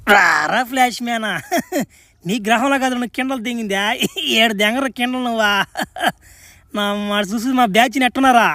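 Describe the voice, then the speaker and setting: A man's voice: extremely high pitch, normal speed, pushed and bright. A man voicing a cocky, crude young male superhero stranded on a strange planet in a comedy cartoon, swearing and laughing as he talks, with a rural Andhra Telugu accent. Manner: foul-mouthed, boisterous, laughs between lines.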